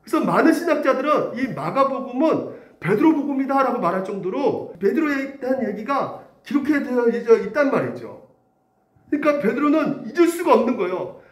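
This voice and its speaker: A man's voice: very high voice, moderate pace, echoey room. A man preaching a sermon as pastor, asking the congregation questions and acting out quotes. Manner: animated, acts out quotes and asks the congregation questions. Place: church sanctuary.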